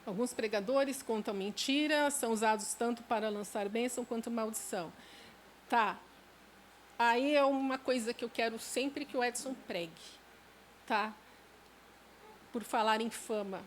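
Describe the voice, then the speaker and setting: A woman's voice: a little high, a little hiss or hum. A woman with a Brazilian accent giving an informal sermon at a church camp, chatty and conversational, acting out everyday quotes. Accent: Brazilian Portuguese. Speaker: preacher. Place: church camp meeting space.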